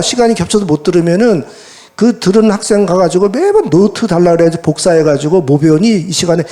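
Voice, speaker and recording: High-voiced man preaching with rhetorical questions. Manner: lively, colloquial preaching with many rhetorical questions to the congregation. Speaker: pastor. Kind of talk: sermon. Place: church service.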